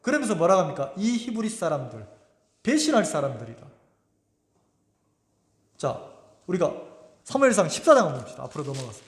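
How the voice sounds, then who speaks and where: A man's voice: fairly high pitch, sing-song, a little fast, long pauses. A man preaching a Sunday sermon as pastor. He retells scripture in dramatic voices and asks his congregation questions. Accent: Korean, Gimhae area. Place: church sanctuary. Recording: roomy echo with long reverb.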